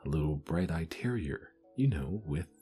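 A man's voice: a bass voice, lively intonation, moderate pace, mellow, faint music behind. A man voicing a curious, polite young girl who chatters earnestly.

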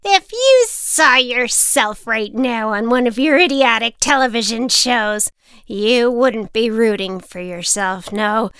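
A woman voicing a fierce, sharp-tongued old woman who scolds children in a cackling, drawn-out way. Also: fairly high pitch, expressive, clean tone, no room sound, pitched above the performer's own voice. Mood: scolding.

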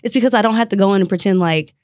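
Podcast co-host, woman in her 30s, African American accent, mid-pitched, brash and candid slang, very dry recording. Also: racing, darkish tone, no room sound. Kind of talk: casual chat.

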